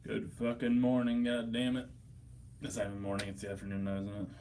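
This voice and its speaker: A man's voice: fairly low pitch, monotone, fairly quick, noisy background. An American man, hungover, chatting casually and profanely on a livestream as he answers his viewers. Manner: profane, blunt, slangy. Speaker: livestream host.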